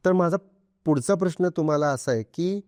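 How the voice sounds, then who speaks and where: A man in his thirties or forties hosting a podcast, asking measured, formal questions. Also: on the high side, darkish tone, no room sound. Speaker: podcast host. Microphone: podcast microphone.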